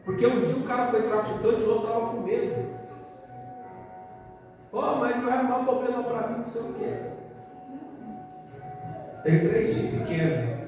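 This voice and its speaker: A Brazilian man preaching a storytelling sermon as pastor, animated and acting out the dialogue of his story. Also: very high-pitched, moderate pace, pauses often. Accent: Brazilian Portuguese. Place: large church hall. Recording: echoey church hall from far off, music behind.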